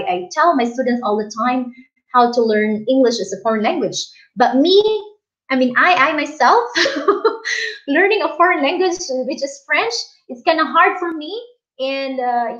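A young Filipina English teacher hosting a casual live stream from a small room, chatting with viewers and reading their comments aloud. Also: female voice, high-pitched, muffled recording. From Philippines.

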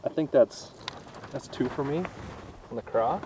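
A man's voice: medium pitch, a little slow, mellow, slight background noise. A young man fishing from a boat on a lake, chatting in short, laid-back remarks with his buddy. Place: open boat on a lake, outdoors.

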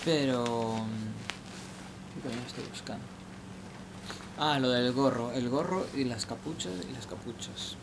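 A man's voice: medium pitch, a little slow, pauses often. A young man giving casual spoken advice outdoors at night, rambling and hesitant with many restarts. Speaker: vlogger. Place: outdoors under a station shelter at night. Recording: noisy outdoor night recording.

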